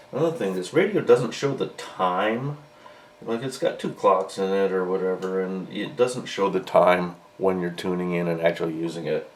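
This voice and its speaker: Low-voiced, unhurried man reviewing gear. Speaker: hobbyist product reviewer. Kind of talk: casual unscripted gadget review. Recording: faint background room noise.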